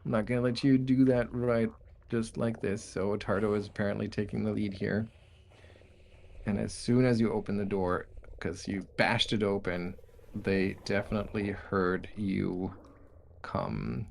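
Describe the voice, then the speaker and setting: Low gravelly guy running a tabletop game, laid back, talks through the rolls as he goes. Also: measured pace, a little hiss or hum. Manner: relaxed, thinks aloud while checking rolls. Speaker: game master.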